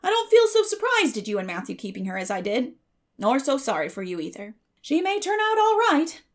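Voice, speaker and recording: A woman voicing a blunt, opinionated middle-aged country matron, brisk, emphatic and folksy, in a dramatic audiobook reading. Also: high-pitched, huge pitch swings, voice pushed up. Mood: frank, approving.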